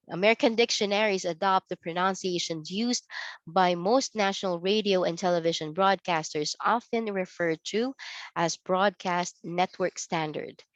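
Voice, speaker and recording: A woman's voice: lowish voice, no room sound, rough recording. A woman with a Filipino accent giving an online training lecture, often checking in with "okay" and "right" as she reads definitions. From Philippines.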